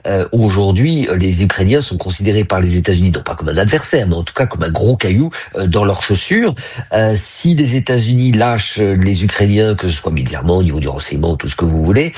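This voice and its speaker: A man as an interview guest, giving measured political analysis with frequent hesitations and emphatic stresses. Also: low voice, animated, darkish tone, slightly rough, lo-fi sound. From United States. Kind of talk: live news interview commentary.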